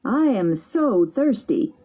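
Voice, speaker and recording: A woman doing a calm, kindly big pigeon. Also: medium pitch, slow pace, breathy edge, full character voice. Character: large kindly male pigeon, calm and helpful. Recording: dull lo-fi recording.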